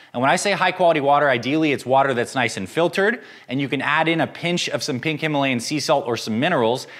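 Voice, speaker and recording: A man's voice: medium pitch, fairly bright tone. An American man in his thirties hosting an instructional nutrition video, speaking to camera in a direct, encouraging way. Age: 30s. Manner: direct, encouraging coaching address. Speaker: fitness and nutrition video host. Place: home-style kitchen, indoors.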